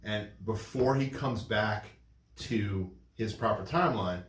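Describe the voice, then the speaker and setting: Blunt lower-voiced man in echoey room. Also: takes it slowly, fairly bright tone. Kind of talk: casual film discussion. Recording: roomy, echoing room sound.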